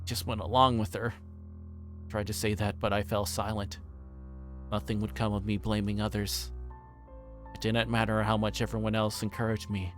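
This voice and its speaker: Low-voiced man livestreaming over music. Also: level tone. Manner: halting, stumbles over words. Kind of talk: reading a visual novel aloud and chatting with stream viewers. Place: livestream with music playing behind.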